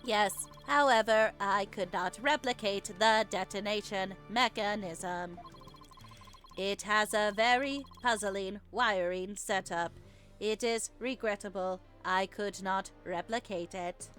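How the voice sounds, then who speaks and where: A woman's voice: medium pitch, slow pace, a bit bright. Woman acting robotic technician, clipped phrases, exact, video game witness, faint music behind.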